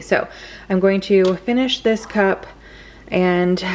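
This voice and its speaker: The speaker is a woman with a medium pitch. Noticeable background noise can be heard. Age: 40s. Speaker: vlogger, stay-at-home mom. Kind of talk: casual vlog talk to camera. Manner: fast.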